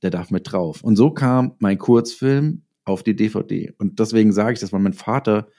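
A man's voice: on the low side, moderate pace, warm tone. A middle-aged man chatting casually as an interview guest, telling stories from his working life and acting out bits of dialogue. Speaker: interview guest, author and filmmaker.

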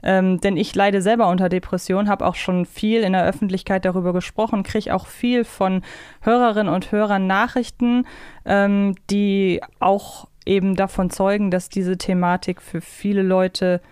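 A woman's voice: medium pitch, level tone, moderate pace, darkish tone, smooth, no room sound. Female podcast co-host: conversational, reflective, clean resonant tone, dry room. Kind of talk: casual chat.

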